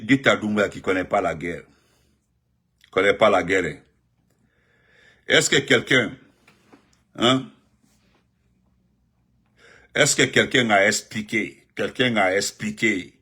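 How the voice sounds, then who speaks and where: A man, giving animated live-stream political commentary and greeting viewers, repeating himself and jumping up in pitch when he stresses a point. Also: a little slow, long pauses, breathy edge. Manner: excited, repetitive, pitch jumps up sharply when emphatic.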